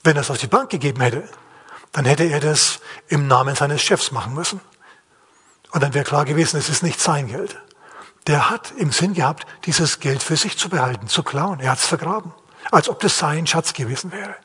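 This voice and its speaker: A man's voice: on the high side, normal speed, bright, forceful tone, breathy edge. A man preaching a sermon in a plain-spoken, questioning way, acting out the quotes. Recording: long hall reverb.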